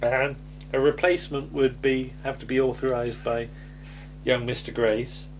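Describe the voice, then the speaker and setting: A man's voice: medium pitch, flat delivery, measured pace, slight background noise, poor audio. A man with a slight lisp, casually recapping a sitcom episode and hesitating with many ums and restarts. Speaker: podcast co-host.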